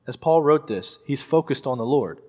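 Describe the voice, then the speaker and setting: Male preacher, mid pitch, earnest and emphatic sermon delivery, long room reverb. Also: expressive, moderate pace, warm tone.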